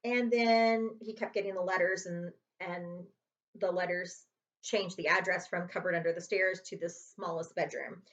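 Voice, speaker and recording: A woman's voice: lowish voice, steady tone, moderate pace, highs cut off. A woman reading a children's chapter book aloud as a librarian would to students, expressively and with dramatic emphasis.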